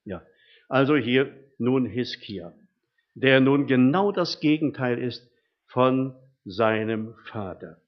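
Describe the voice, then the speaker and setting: A man's voice: medium pitch, animated, slow pace. Older man preaching in folksy tones. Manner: folksy storytelling with frequent rhetorical tag questions. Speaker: lay preacher. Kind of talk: sermon. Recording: dull, muffled recording.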